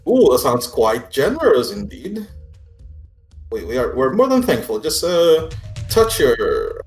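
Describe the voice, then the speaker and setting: A man's voice: mid-range voice, wildly swooping pitch, a little slow, faint music behind. A man voicing a polite, bland priestess of a lawful god, speaking formally. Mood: gracious, welcoming.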